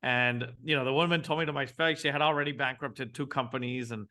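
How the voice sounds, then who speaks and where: A man, telling his business story as a guest in a casual interview, animated and often restarting his sentences. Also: mid-range voice, a little fast. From Venezuela. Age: 40s. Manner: animated, frequent restarts, acts out his own thoughts. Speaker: guest entrepreneur.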